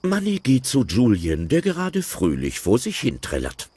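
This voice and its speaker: A man narrating an audio play with expressive, playful commentary. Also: mid-range voice, moderate pace, breathy edge, no echo.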